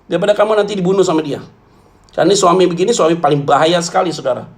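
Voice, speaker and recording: High-voiced blunt joking pastor, a man. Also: very fast. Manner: blunt, joking, colloquial, calls listeners "saudara". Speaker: pastor answering questions. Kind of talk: church Q&A talk.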